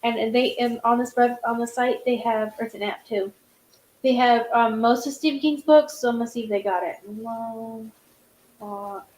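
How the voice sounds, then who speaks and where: A chatty woman host who rambles and restarts her sentences, her voice sitting a little high. The sound carries a roomy echo around her. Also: fairly even intonation, moderate pace, darkish tone. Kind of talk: casual video-call chat.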